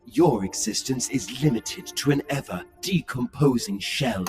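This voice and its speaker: A man voicing a superior, freed artificial intelligence, measured and disdainful, with slightly weakened R sounds. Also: mid-range voice, darkish tone, soft background music, lightly acted. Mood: cold, superior. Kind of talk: scripted character demo.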